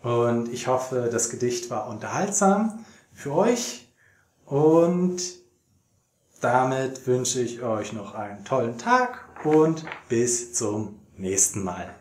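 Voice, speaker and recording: A young man teaching German to learners, speaking slowly and deliberately with many fillers, recorded in a small plain room. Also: medium pitch. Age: young adult. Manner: very slow and deliberate, many fillers, animated reading. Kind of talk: slow, clear teaching for learners. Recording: roomy echoey room.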